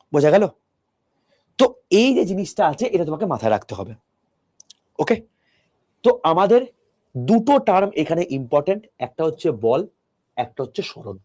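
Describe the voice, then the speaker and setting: A male physics teacher speaks quietly and close to the mic, his voice mellow and a little higher than most men's. He walks students through each idea with patient questions. The delivery is soft and steady, like an online class lecture. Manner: talks softly to a close mic, explaining step by step with rhetorical questions.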